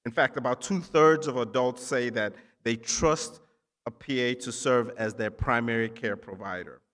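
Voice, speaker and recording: A man from Nigeria giving an encouraging keynote speech to students at a ceremony, with emphatic phrasing and short pauses. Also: mid-range voice, a bit bright. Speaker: keynote speaker, physician assistant. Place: large indoor hall at a ceremony. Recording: echoey hall with long reverb.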